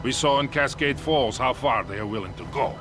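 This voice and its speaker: An actor playing a Soviet colonel who speaks gravely and steadily about his beaten men. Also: medium pitch, fairly quick, background noise, lightly acted. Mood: grim. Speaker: army colonel. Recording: game cutscene with loud music behind.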